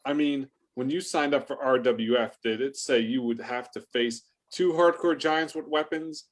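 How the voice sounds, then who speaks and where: A man's voice: mid-range voice, normal speed, lightly acted. A man playing a threatening hardcore giant wrestler in a staged promo reading. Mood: taunting warning.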